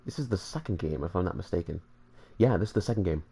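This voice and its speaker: A man's voice: deep voice, lively intonation, quick pace, creaky, warm tone, breathy edge. A man with a slightly congested voice, joking and rambling to his viewers as he plays through a game. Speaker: gaming channel host. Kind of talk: casual let's-play commentary.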